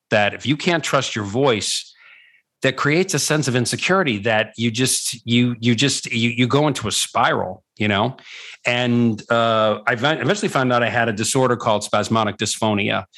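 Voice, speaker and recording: A man's voice: mid-range voice, moderate pace, a bit bright. Middle-aged man, emphatic conversational storyteller. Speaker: guest, voice-over coach and former voice actor. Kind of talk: conversational personal storytelling in an interview.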